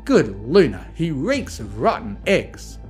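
A refined lady unicorn, put on by a narrator, theatrical and fastidious, with a lively, swooping delivery. It is a storybook cartoon reading over music. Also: medium pitch, pitched above the performer's own voice, lightly acted. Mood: disgusted. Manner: genteel, theatrical, says darling.

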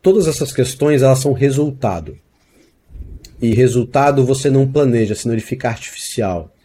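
A man's voice: mid-range voice, fairly quick, dark tone, husky. A man who teaches acting, chatting casually in an interview and explaining ideas with examples, often tagging sentences with a questioning "né?". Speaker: acting teacher and course creator.

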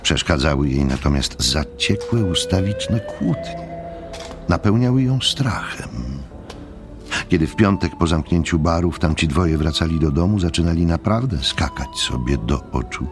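A man with a deep gravelly voice narrating a scripted audiobook story. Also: huge pitch swings, unhurried, over music.

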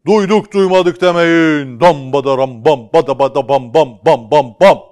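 A man voicing a loud male town crier who bellows a royal announcement with drawn-out calls and mouth-made drum beats. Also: natural voice. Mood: booming announcement. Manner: booming, drawn-out calling with drum sounds.

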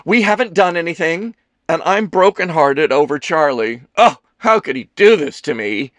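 A man plays a theatrical actress in an audiobook, her voice pitched high and swinging widely. She is bossy and flirtatious, stressing her words as if every line were an exclamation. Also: sing-song, normal speed, fairly bright tone, dry recording. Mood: dramatic panic. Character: dramatic, gushing woman actress, bossy and flirtatious. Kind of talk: audiobook character dialogue.

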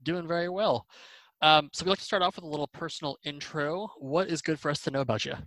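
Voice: medium pitch, steady tone, quick pace, a bit bright, no room sound, poor audio. A host asking casual interview questions, hesitating often on fillers.

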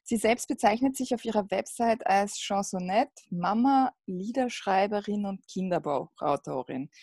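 A woman's voice: medium pitch, lively intonation, normal speed. A woman hosting a casual podcast interview, introducing her guest and reacting in a friendly way. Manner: friendly, warm reactions, laughs along. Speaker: podcast host.

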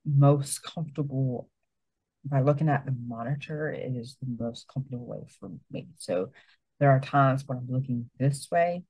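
A man co-hosting a casual show, talking in a halting way and repeating himself. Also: medium pitch, a little mellow, husky, no echo, low-quality recording. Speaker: podcast co-host. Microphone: desk setup with monitor.

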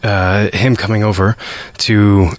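Very low-voiced shy young man. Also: flat delivery, slow pace, no room sound. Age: young adult. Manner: hesitant, stammering restarts, shy laughs. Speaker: radio guest. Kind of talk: casual interview.

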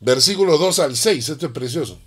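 A middle-aged man preaching with a voice pitched a little above the usual male range. He drives his points home with emphatic stresses and keeps firing rhetorical questions at the congregation. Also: expressive, brisk, slightly rough. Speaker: pastor. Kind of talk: sermon.

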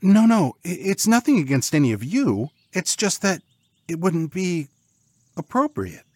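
Man doing a fed-up lady schoolteacher, lifted pitch, very proper and a bit sarcastic, storybook read. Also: big pitch swings, measured pace, no echo. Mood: apologetic, awkward. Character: exasperated, prim woman schoolteacher.

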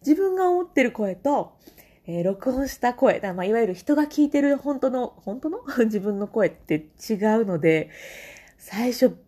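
A woman's voice: a little high, very animated, normal speed, mellow. Chatty woman podcaster, laughs often. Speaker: podcast host. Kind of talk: casual solo talk reading listener comments.

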